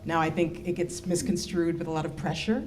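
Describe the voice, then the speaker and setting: A low-voiced American woman talks on a live podcast panel, loose and chatty with an easy laugh. A faint hum of the room sits behind her. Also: fairly even intonation, a little fast. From United States. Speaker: panel guest.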